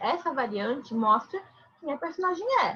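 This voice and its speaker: A woman at a moderate pace with lively intonation, amid noticeable background noise. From Brazil, São Paulo state (São Vicente). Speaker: teacher. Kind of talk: online lecture. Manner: conversational.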